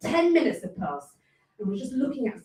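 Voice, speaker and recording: A woman with a London accent, fairly high in pitch, with a dark, mellow tone, vocal fry and very wide pitch swings. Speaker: comedian. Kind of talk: stand-up. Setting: stage with audience. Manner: animated.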